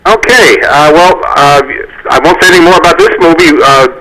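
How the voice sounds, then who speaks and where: A man's voice: fairly high pitch, moderate pace, sharp tone, rough recording. A man in his sixties, a guest on a community TV show, talking casually about an old film with many fillers and restarts. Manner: chatty, anecdotal, frequent fillers and restarts. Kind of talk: casual studio interview. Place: community TV studio.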